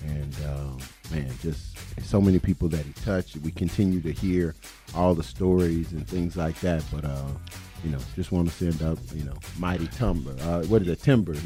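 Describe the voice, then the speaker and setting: A man's voice: sits low, moderate pace, few pauses, warm tone, soft background music. A man co-hosting a sports talk show, talking in a playful, jokey way. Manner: playful, jokey, laughs often.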